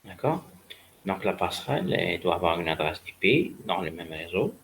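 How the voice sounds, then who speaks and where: A man lecturing on a technical subject in a halting, didactic way, repeating key points for emphasis. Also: low-pitched, sing-song, vocal fry, a bit bright, a little hiss or hum. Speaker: networking lecturer. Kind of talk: spoken university lecture.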